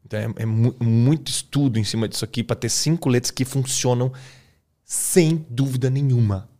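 A man with a Brazilian Portuguese accent, an English teacher explaining his method in a relaxed, colloquial chat, often tagging his sentences with quick questions. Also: mid-range voice. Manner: relaxed, colloquial, peppers speech with tag questions.

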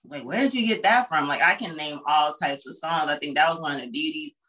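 A woman's voice: sits low, fairly quick, pushed and bright, distant mic, poor audio. A woman in her forties hosting a podcast interview, chatting loosely with many fillers. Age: 40s. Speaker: podcast host. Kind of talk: casual interview chat.

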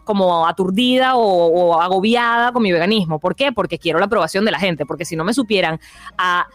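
Woman chatting fast on a podcast, frank, acts out quotes, dry close sound. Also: lowish voice, dry recording. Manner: frank, animated storyteller who acts out quotes. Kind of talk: casual podcast chat.

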